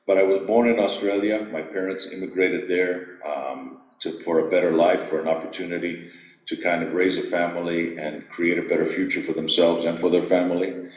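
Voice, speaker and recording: A middle-aged man from Greece, an executive coach, telling his story at a measured, reflective pace in an interview. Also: deep voice, steady tone, reverberant, lo-fi sound.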